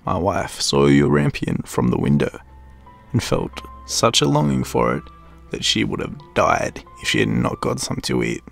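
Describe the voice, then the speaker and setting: A man's voice: low voice, sing-song, moderate pace, creaky, soft background music, voice pushed down, exaggerated voice. A man voicing a devoted, worried husband in a storybook tale, speaking humbly and earnestly. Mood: pleading.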